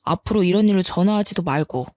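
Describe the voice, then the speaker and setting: A woman's voice: lowish voice, fast, darkish tone, no room sound, close to an everyday voice. A woman voicing a cold, irritated young husband who speaks curtly and with scorn on the phone. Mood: scornful. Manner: curt, scornful.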